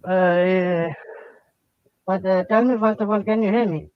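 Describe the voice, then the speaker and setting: A man's voice: sits high, fairly even intonation, a little slow, smooth, no room sound, muffled recording. A man calling in with his voice disguised by a voice changer, hesitant, with lots of uh's and a polite "sir". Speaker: caller. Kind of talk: casual call-in chat.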